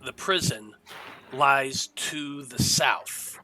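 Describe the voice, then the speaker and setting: A man narrating a tabletop game as game master, describing scenes in a halting, measured way. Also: medium pitch, bright, forceful tone, poor audio.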